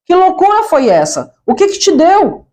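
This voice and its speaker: A woman's voice: very high voice, wildly swooping pitch, normal speed, dark tone, pitched above the performer's own voice, heavily acted. A woman with a Brazilian accent voicing a blunt young boyfriend who is displeased. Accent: Brazilian Portuguese.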